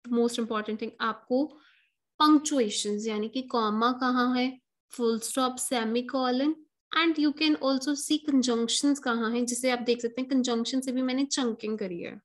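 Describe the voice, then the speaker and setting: A high-pitched woman gives an online lesson. She talks straight to her viewers and walks them through the task. She slows right down on the words she wants to stress. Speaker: exam prep tutor. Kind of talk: online lesson, Hindi mixed with English.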